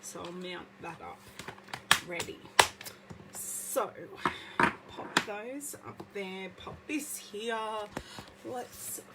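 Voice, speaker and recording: Slow-talking Australian woman, slightly croaky. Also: mid-range voice, animated, heavy background noise. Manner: chatty, greets viewers by name. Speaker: craft demonstrator. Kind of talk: casual live-stream craft demo chat. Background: movie playing in background.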